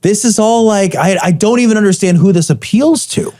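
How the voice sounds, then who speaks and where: A man's voice: sits high, a little fast, warm tone. A man co-hosting a podcast, indignant and sarcastic, driving points home by repeating them. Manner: indignant, sarcastic, emphatic repetition. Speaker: podcast co-host. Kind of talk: casual chat.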